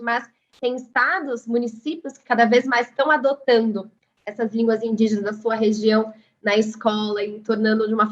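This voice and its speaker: Brazilian woman panel moderator, slightly high voice, chatty, muffled lo-fi sound. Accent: Brazilian Portuguese. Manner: conversational, asks and reflects aloud.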